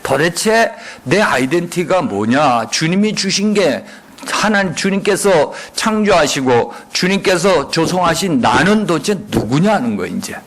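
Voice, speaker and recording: 예배당에서 설교하는 중년 남성 목사로, 회중에게 수시로 질문을 던지고 응답을 유도한다. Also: male voice, on the high side, slight background noise. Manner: call-and-response, frequent rhetorical questions. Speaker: guest pastor. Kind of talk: sermon. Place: church sanctuary.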